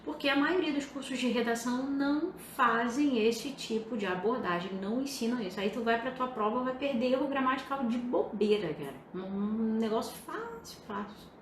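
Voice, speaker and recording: A young adult woman teaches writing on a live stream. She talks straight to her students, emphatic and lively, in a slightly high voice. The sound is echoey, with a faint hiss under it. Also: moderate pace, few pauses.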